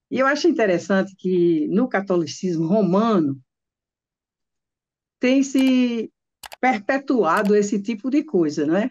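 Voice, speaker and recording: At a fairly slow pace with long, frequent pauses, a woman speaks at medium pitch with very wide pitch swings. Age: 70s. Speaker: Bible school teacher. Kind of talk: religious teaching podcast discussion.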